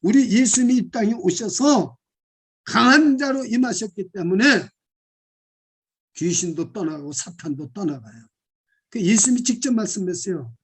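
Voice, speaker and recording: A man preaching a sermon as pastor, calling the congregation to shout along and rising to loud exclamations. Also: high voice, lively intonation, normal speed, husky.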